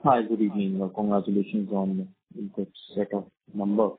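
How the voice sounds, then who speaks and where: A man's voice: fairly low pitch, flat delivery, a little fast, slight background noise. A man putting an analyst's question on a business conference call over the phone. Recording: narrow muffled phone line.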